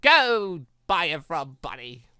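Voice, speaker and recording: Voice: mid-range voice, sing-song, slow, bright, forceful tone, clean tone, no room sound, clean studio sound. A gaming YouTuber giving casual playthrough commentary in a chatty, rambling, enthusiastic way. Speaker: gaming YouTuber, let's player.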